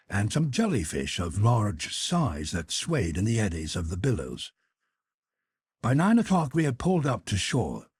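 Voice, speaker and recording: A man narrating a classic adventure novel as an audiobook, reading in a measured, enunciated storytelling manner. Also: mid-range voice, darkish tone, breathy edge, no room sound.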